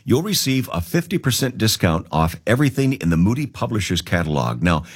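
A man's voice: lowish voice, very animated, a little fast, slightly rough. A man co-hosting a radio program, announcing in a scripted but conversational promotional style.

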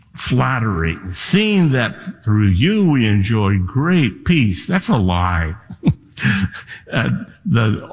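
Male pastor, sermon, conversational, explanatory, halting with fillers, mid-pitched, long hall reverb. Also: a little mellow. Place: church sanctuary.

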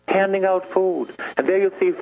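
Priest preaching on a tinny radio broadcast. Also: male voice, high-pitched, normal speed, creaky. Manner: storytelling preaching, mimics voices, prays in repeated invocations and tongues. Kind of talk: radio sermon with prayer.

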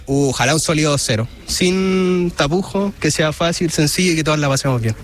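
A man's voice: on the high side, fairly quick. A man from Chile with a Chilean accent, a friendly and enthusiastic football fan in a casual interview on location. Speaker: football fan and local resident. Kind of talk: casual vox pop interview. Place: on location in a city neighbourhood.

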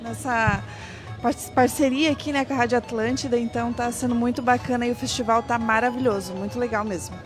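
A woman's voice: on the high side, steady tone, brisk, soft background music. A woman, a company's marketing director, giving a friendly, easygoing greeting during an interview.

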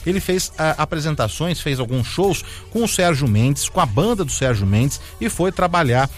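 A man's voice: on the high side, expressive, moderate pace. A man presenting a chatty radio segment, telling a story with many fillers and asides to his co-host. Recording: radio broadcast with faint music behind.

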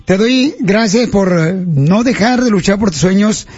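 A radio host man with a strikingly high voice, joking and teasing his caller with pet names. The sound is muffled, like a broadcast heard over the air. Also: animated, a little slow, a little mellow, breathy edge. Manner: playful, teasing, calls caller "mi amor". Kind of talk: joking radio call-in chat.

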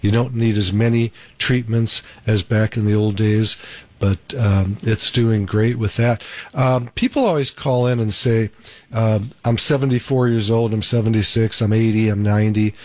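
A man's voice: fairly low pitch, steady tone, moderate pace, darkish tone, no echo. A man hosting a live radio talk show as a doctor, talking in an easygoing, chatty way with fillers. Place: radio studio. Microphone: studio microphone.

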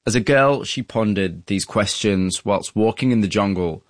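A man hosting and narrating, telling the story in a measured way and asking interview questions in a studio. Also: lowish voice, dry recording. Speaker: host and narrator. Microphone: studio mic.

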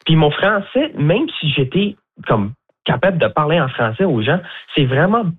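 A man's voice: fairly high pitch, big pitch swings, normal speed, husky. A young man from Newfoundland, a bilingual guide at a botanical garden, answering interview questions in a chatty, hesitant way with many fillers. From Newfoundland, Canada. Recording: tinny phone line.

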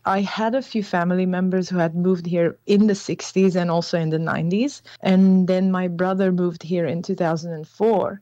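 A woman in her forties from Lebanon talks over a phone line that sounds dull and a little muffled. Her voice sits slightly low, and the line is dry and close. She speaks thoughtfully as an interview guest, often restarting to find the right word. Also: warm tone, no echo. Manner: thoughtful, searching for words with restarts. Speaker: guest, jazz pianist.

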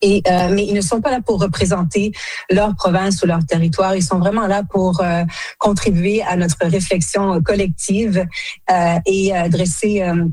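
A middle-aged woman from Quebec answering radio interview questions as an association director, speaking haltingly with many fillers and self-corrections. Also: mid-range voice, fairly even intonation, darkish tone, no echo. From Quebec, Canada. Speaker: association director general, guest.

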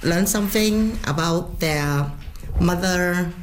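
A woman's voice: fairly low pitch, slow pace, background noise. A woman who is a native Cantonese speaker and kindergarten teacher, answering interview questions in earnest, loosely phrased speech.

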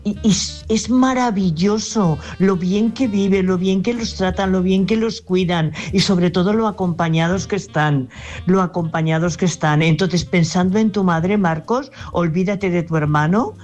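An older Spanish woman with a La Mancha accent phones in to a radio programme. Her voice sits low, and she gives earnest advice, repeating herself and restarting her sentences. Soft music plays faintly behind the call. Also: moderate pace, muffled recording. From Castilla-La Mancha, Spain. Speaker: caller.

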